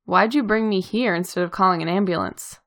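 A man's voice: sits high, a little fast, a bit bright. A woman voicing a cheerful, laid-back male superhero archer with a wry, easygoing manner, in a fan fiction reading. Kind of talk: fan fiction read aloud.

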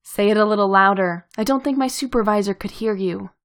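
A dry, unflappable nurse who answers everything deadpan, as voiced by a woman reading a story. Her tone stays flat and matter-of-fact. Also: medium pitch, a little fast. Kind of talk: fan fiction read aloud.

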